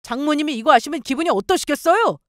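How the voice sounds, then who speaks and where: A woman's voice: sits high, very animated, normal speed, fairly bright tone, no echo, studio quality, pitched above the performer's own voice. A woman voicing an adult husband who speaks earnestly and reproachfully to his mother. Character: adult son and husband, firm and protective.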